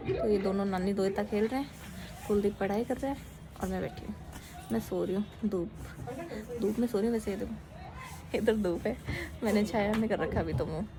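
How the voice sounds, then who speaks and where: A young woman chatting casually as she films a family vlog on a sunny rooftop, talking to the camera and now and then cooing at small children. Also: medium pitch. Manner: chatty, relaxed, coos playfully at small children. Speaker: vlogger. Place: outdoors on a sunny rooftop at a relative's house.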